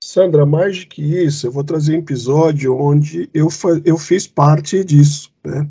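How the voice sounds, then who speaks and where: Somewhat breathy and at a fairly high pitch, a man speaks at a fairly slow pace with a dark, mellow tone and fairly even intonation. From Cape Verde. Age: 40s. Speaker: business executive. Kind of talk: interview.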